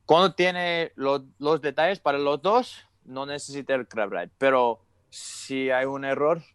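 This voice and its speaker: A young man whose first language is English, speaking hesitant Spanish full of fillers and pauses as he searches for words, on a video call through an earphone mic. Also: medium pitch, a bit bright, clean tone, no echo. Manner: gestures while talking. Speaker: guest. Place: room with curtain, indoors.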